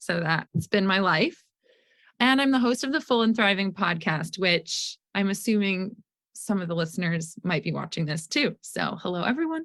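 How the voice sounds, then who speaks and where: A woman with an ordinary speaking voice talks at a moderate pace with lively intonation on a very clean recording with a silent background. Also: medium pitch for a woman. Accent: American. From US New England, Connecticut. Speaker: eating disorder recovery coach, podcast host. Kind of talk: casual chat.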